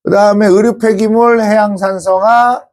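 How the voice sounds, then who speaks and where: A man's voice: sits high, normal speed. A man teaching a class in a casual, chatty lecture style, with teasing asides to his students. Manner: lively, informal.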